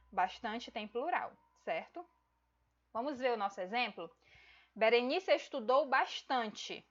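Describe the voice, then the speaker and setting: A woman teacher giving a recorded video lesson, speaking slowly and emphatically and addressing her students directly. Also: a little high, a bit bright, muffled recording.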